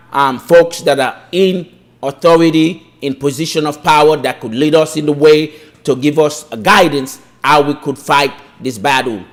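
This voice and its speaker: A man with a somewhat high voice hosts an interview podcast. He opens with a formal welcome and then asks his guest plain, conversational questions. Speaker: podcast host.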